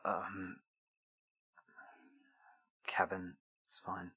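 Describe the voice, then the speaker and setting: An awkward, hesitant teenage werewolf boy, bright-voiced. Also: deep voice, completely flat delivery, extremely slow, heavily acted. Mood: embarrassed, withdrawn. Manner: hesitant, stammering, throat-clearing. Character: awkward, embarrassed sixteen-year-old werewolf boy phoning for advice. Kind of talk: audio drama acting.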